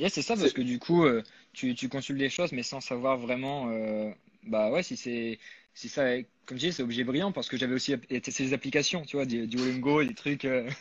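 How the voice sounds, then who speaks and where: Moderately paced male speech, its pitch varying in an ordinary way. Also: medium pitch for a man. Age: 20s. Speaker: mindset coach. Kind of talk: live-stream interview. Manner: halting.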